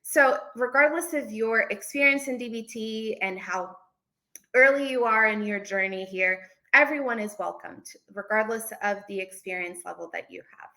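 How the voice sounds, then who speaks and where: A woman from Portugal presents informally to an online audience. Her voice is bright and forward, sitting a little high as she explains things. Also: normal speed, low-quality recording. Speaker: events manager presenting a talk.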